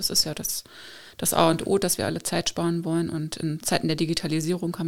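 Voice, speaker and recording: Fairly low in pitch and with vocal fry, a woman talks at a fairly quick pace. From village near Nordhausen, Thuringia. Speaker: university podcast host. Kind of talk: casual interview. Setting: studio.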